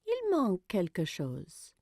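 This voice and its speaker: A woman's voice: mid-range voice, huge pitch swings, slow, darkish tone, no echo, studio quality, exaggerated voice. A woman playing a kind young mother in a children's cartoon, speaking in an encouraging, playful way. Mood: thoughtful. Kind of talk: animated children's cartoon dialogue.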